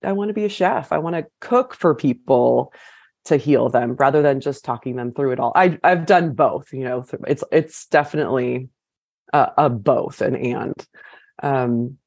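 Low-voiced chatty woman from California. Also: normal speed, darkish tone, no room sound, clean studio sound. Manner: chatty, with frequent fillers and restarts. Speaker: chef and author guest. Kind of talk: casual interview conversation.

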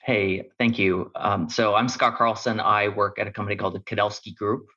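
Brief: low, flat-voiced man, casual panelist, slightly muffled lo-fi audio. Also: moderate pace. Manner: casual, conversational. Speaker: cybersecurity executive, panelist. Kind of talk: panel self-introduction. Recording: dull, lo-fi sound.

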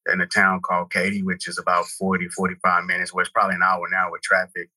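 A man from Houston, Texas, in his forties, talking as a podcast interview guest in a relaxed, rambling way full of "you know" fillers. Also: low voice, fast talker, breathy edge, no room sound. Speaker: guest, real estate brokerage founder. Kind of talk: casual interview talk.

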